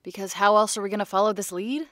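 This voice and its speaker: A young woman in a scripted audio drama, teasing her friends with quick banter. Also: medium pitch, steady tone, a bit bright, no echo, clean studio sound, lightly acted.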